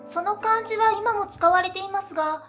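Woman acting young celestial princess, very high girlish voice, sweet, dutiful, polite, storybook dialogue. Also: moderate pace, fairly bright tone, soft background music. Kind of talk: scripted educational story dialogue.

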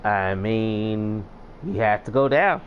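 Male game streamer: casual commentary, very lively intonation, faint noise behind. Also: on the low side, slow pace, highs cut off.

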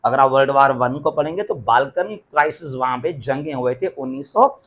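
A man giving a geography lecture at a map, asking himself questions and answering them, and slowing down for English terms. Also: medium pitch, fairly bright tone. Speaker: teacher.

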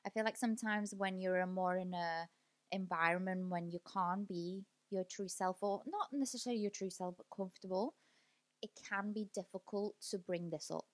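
A woman's voice: mid-range voice, moderate pace. A woman in her thirties co-hosting a casual podcast, upbeat and teasing. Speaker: podcast co-host. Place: small cosy studio room, indoors. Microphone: studio mic on boom arm.

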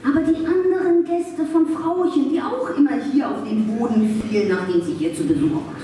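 A woman's voice: high voice, fairly quick, dark tone, slight background noise, lightly acted. A woman playing an anxious, scolding male pug in a live stage radio play, hesitant and whiny. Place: theatre stage, recorded from the audience. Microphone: far camera. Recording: very echoey, distant stage recording.

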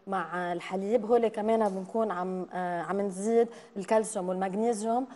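A woman's voice: medium pitch, fairly even intonation, fast, mellow. A woman in her thirties with a Lebanese accent, explaining nutrition as a studio guest on a TV talk show and dropping English terms in. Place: bright TV studio.

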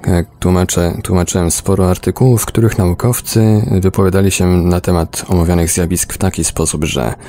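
A man speaks in a very low, dark voice. He contributes to a discussion in a calm, conversational way, as a participant in a debate. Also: brisk, hardly any pauses.

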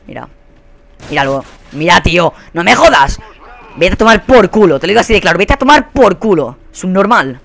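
A young man with a Spanish accent commentating his own shooter gameplay, swearing a lot and quick to burst into angry shouts. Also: high-pitched, sing-song, gravelly. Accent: Spanish from Spain. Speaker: gaming commentator. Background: faint gunfire from the game.

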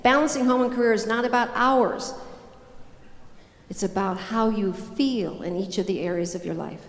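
An older woman on a conference stage speaks into a handheld mic, giving a punchy, emphatic motivational keynote to the audience. Her mid-range voice keeps a moderate pace, the roomy hall reverberates at length, and a little hiss or hum is audible.

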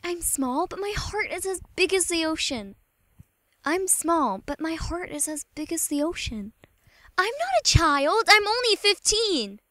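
A woman's voice: extremely high pitch, big pitch swings, measured pace, sharp tone, dry recording, pitched above the performer's own voice, exaggerated voice. A woman voicing a small, plucky, indignant fifteen-year-old girl in an anime-style audition.

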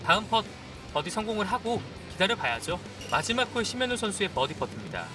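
Male golf play-by-play commentator, high register, very animated calls, set back from the mic under loud music. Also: fast, far from the mic. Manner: exclaims and calls shots in short announcements. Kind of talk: live golf tournament commentary.

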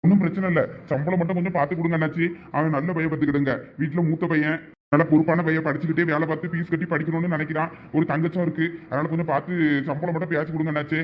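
A man's voice: a little high, flat delivery, very fast, a little hiss or hum. A man with a Thoothukudi Tamil accent acting in a village comedy drama, talking in a friendly, persuasive way. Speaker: villager asking a shopkeeper for a job for a youth.

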